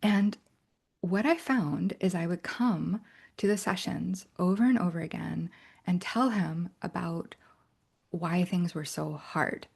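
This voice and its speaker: A middle-aged woman coach leading an online workshop, earnest and personal, often checking in with "right?" and slipping into soft whispery asides. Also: on the low side, takes it slowly, gravelly, slightly rough. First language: English.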